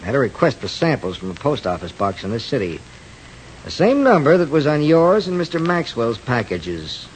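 Actor as a steady radio police lieutenant. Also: male voice, mid-range voice, slight background noise, natural voice, rough recording. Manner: firm, measured, businesslike. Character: calm, methodical male police lieutenant. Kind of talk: 1940s radio acting.

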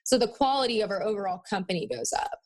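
A fast-talking woman in her twenties with a mid-range voice chats casually as a guest on a podcast interview. She owns a marketing agency and speaks in a valley-girl manner, sprinkling in "like" and "you know."

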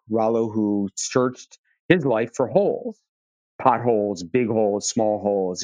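A man's voice: mid-range voice, dry recording. Male surgeon guest, earnest storyteller, dry close sound. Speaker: podcast guest. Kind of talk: conversational storytelling.

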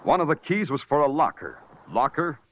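A man's voice: fairly high pitch, sing-song, brisk. A man playing Danny Clover, a hard-boiled night-shift detective in a 1950s radio drama, dry and pushy. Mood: taunting. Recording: dull old radio broadcast, faint hiss.

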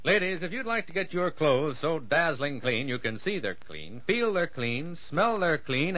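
A man's voice: fairly high pitch, dry recording. A man with an American accent announcing in the old radio style, reading sponsor copy and serial outros with a polished, emphatic sales delivery. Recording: muffled vintage radio broadcast recording.

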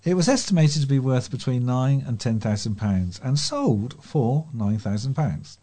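A man's voice: mid-range voice, lively intonation, normal speed, mellow. A man with a British accent reading scripted local news items as a volunteer newsreader. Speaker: volunteer newsreader for a talking newspaper.

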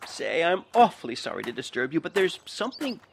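A man's voice: a little high, sing-song, a little fast, vocal fry, slight background noise. A young man playing an eager assistant in an audio drama, flustered and stammering. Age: young adult.

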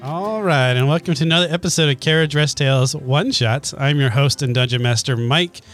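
A man's voice: a little high, fairly quick, a bit bright, faint music behind. Man hosting as dungeon master. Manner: theatrical storybook narration in the opening. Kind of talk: tabletop game podcast chat.

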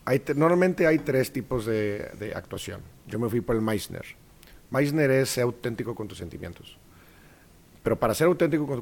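A Mexican-accented actor appears as a guest in a casual interview, telling animated stories and acting out the voices he quotes. His voice is mid-range and gravelly.

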